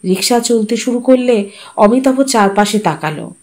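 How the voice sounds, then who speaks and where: Calm woman narrator, story channel host, reading a short story aloud, slightly high voice, even storytelling pace. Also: normal speed.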